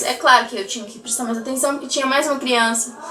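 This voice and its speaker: A woman with a high pitch is heard with audible room echo and noticeable background noise. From Brazil, São José dos Campos, São Paulo. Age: 20s. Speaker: former au pair. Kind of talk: personal storytelling.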